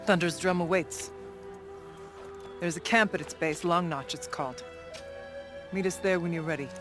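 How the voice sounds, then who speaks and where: Man playing a high-voiced, commanding tribal shaman. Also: normal speed, lightly acted. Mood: resolute. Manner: formal, imperious. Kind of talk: dramatic video game cutscene acting. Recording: music under the voice.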